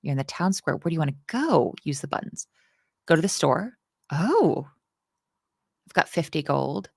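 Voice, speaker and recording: Playful woman with a gravelly, lively voice. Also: low-pitched, normal speed, dry recording, studio quality. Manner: playful, self-deprecating, chatty. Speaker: coding bootcamp teacher. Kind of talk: casual livestream lesson.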